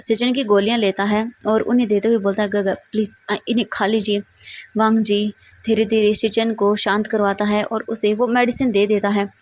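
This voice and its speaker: A woman narrating a fan fiction story in a steady, plain retelling. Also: mid-range voice.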